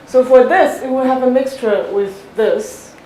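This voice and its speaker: A woman giving a technical research talk, explaining step by step and often checking with a quick "right?". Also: sits high, dark tone, a little hiss or hum, rough recording. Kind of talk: technical lecture with questions from listeners.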